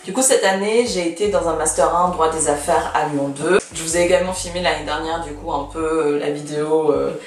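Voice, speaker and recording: A woman's voice: sits low, steady tone, fairly quick, hardly any pauses, reverberant, distant mic, faint music behind. A woman in her twenties, born in Canada, chatting in a vlog with many fillers and restarts while losing her voice. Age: 20s. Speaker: law student vlogger. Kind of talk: casual vlog chat.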